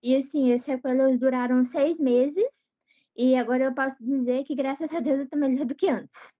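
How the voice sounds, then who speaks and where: A woman in her thirties, a podcast guest, speaking in a measured way in casual chat. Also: sits high, fairly even intonation, mellow. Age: 30s. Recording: dull lo-fi sound.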